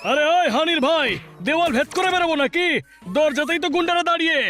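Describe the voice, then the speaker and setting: Cartoon animal hero: extremely high-pitched, scolding, brash, exasperated, music behind. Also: male voice, fairly even intonation, fast talker, sharp tone. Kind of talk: children's cartoon dubbing.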